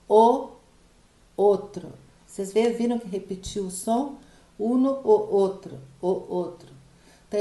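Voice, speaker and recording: A woman's voice: mid-range voice, warm tone, reverberant. A woman from Brazil teaching a grammar lesson, explaining step by step and checking in with her students often. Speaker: Spanish teacher. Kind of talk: recorded online class explaining grammar.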